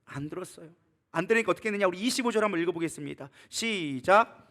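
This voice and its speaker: Hoarse, fast-preaching Korean pastor. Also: male voice, high-pitched. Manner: exhorting, swings to loud shouted voices when quoting. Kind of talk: sermon.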